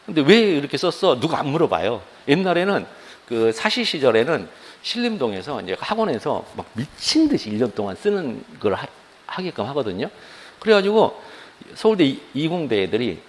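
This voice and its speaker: A middle-aged man giving a law exam lecture, lively, acting out students' grumbles in quick asides. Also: medium pitch. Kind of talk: classroom lecture.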